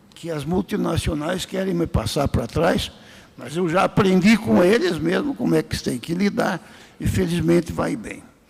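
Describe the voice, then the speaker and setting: The pitch swings very widely at a fairly slow pace. Noticeable background noise sits behind the voice. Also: man. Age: 80s+. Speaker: doctor. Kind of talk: speech to city council.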